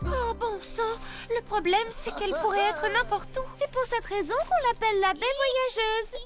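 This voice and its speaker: A woman's voice: extremely high pitch, normal speed. A woman voicing a cheerful, kind and optimistic little girl heroine in a French cartoon dub. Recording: loud music behind the voice.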